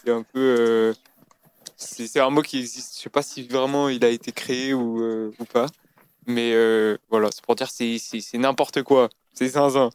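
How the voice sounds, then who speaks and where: Young man, smooth voice, hesitant. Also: mid-range voice, steady tone, normal speed. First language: French. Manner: hesitant, many fillers. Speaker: civic service volunteer.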